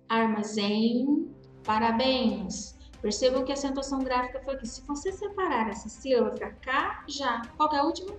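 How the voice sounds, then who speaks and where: A woman with a Brazilian Portuguese accent teaches a grammar review lesson, slowly drawing out examples and calling her students dear. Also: high-pitched. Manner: patient, drawn-out spelling of examples, calls students dear. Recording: roomy echo with faint music.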